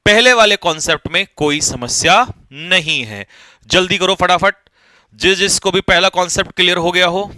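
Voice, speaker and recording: A man with an Indian accent teaching an English grammar lesson for exam prep, drilling students with quick repeated questions. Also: high voice, bright, forceful tone, no echo.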